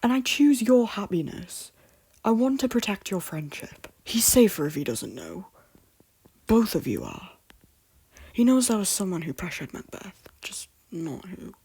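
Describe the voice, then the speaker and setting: A woman playing an anxious, loyal young prince in an audio drama, earnest and breathy, moving between hushed and urgent. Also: medium pitch, sing-song, a little slow, heavily acted. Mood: protective, resolute. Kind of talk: intimate audio drama acting.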